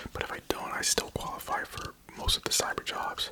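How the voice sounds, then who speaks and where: Whispering in a relaxed tone, a man can be heard over noticeable background noise. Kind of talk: casual talk to camera. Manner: soft-spoken, whispered, relaxed.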